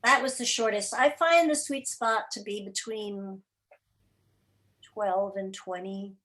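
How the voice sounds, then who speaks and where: A woman with an average-pitched voice speaks as a producer being interviewed. She answers informally, as a guest would at an online gathering over a video call. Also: slow, fairly bright tone. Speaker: radio drama and podcast producer, guest.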